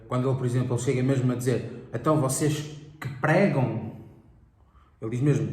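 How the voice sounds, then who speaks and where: A man's voice: mid-range voice, a little mellow. A man co-hosting a Bible study discussion, explaining at length with examples, restarting words and often agreeing. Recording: echoey room.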